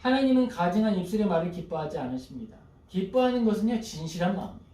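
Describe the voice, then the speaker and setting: A man's voice: sits high, expressive, racing, mellow. A male pastor preaching a sermon who asks the congregation questions and acts out pleading prayers. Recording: echoey hall, voice from a distance.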